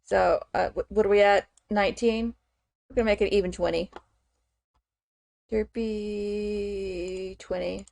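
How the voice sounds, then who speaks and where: Woman streamer muttering through her work, lots of okays, kinda gravelly. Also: medium pitch, steady tone, unhurried, long pauses, darkish tone, no room sound. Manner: thinks aloud, frequent "okay" and fillers. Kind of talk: casual chat while working on screen.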